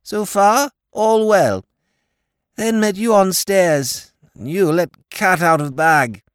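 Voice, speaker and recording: A reader voicing a bumbling young aristocrat who talks in clipped, slow, telegraphic phrases. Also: medium pitch, smooth, no echo, clean studio sound, pitched above the performer's own voice, lightly acted. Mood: blustering. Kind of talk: audiobook character voice.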